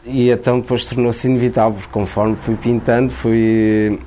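A man's voice: mid-range voice, flat delivery, normal speed, warm tone, slight background noise. A man born in Angola, a painter, speaking in a casual interview, often repeating words while he thinks.

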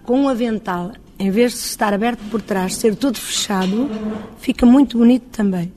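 A woman's voice: a little high, normal speed, mellow, a little hiss or hum. A woman with a European Portuguese accent, a hotel owner, talking in an interview in a chatty way, thinking aloud and quoting her own past dialogue.

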